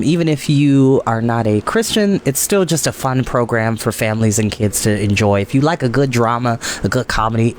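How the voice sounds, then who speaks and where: A man's voice: on the low side, a little mellow, slight background noise. A man hosting a storytime, moving between casual, rambling chat and reading a story aloud. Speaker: host and storybook reader.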